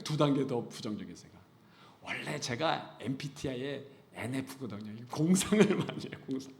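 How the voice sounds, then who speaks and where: Man, middle-aged pastor, sermon, lively swooping delivery, highish voice, roomy church echo. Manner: animated preaching, rising to loud emphasis, then dropping to whispers; playful, laughing through his points. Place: church sanctuary.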